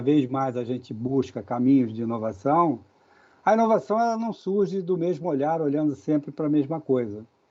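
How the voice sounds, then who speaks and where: A normal speaking voice moves at a moderate pace. The intonation is lively. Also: man. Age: 60s. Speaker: marketing strategy executive. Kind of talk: interview.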